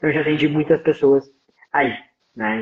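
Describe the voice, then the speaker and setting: Here is a man with an unremarkable speaking voice. He talks at a fairly quick pace with ordinary pitch variation. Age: 20s. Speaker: psychotherapist and hypnotherapy teacher. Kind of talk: interview.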